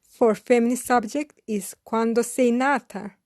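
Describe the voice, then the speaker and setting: Woman teacher, slightly high voice, deliberate drill pacing. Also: steady tone, darkish tone, dry recording, studio quality. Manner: slow, careful enunciation with repeated phrases. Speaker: language teacher. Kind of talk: slow scripted language lesson.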